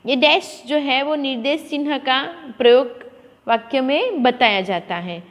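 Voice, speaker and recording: The woman's voice is high-pitched and her pace measured while she teaches schoolchildren with patience, switching between Hindi and English words. Long reverb trails through the classroom recording.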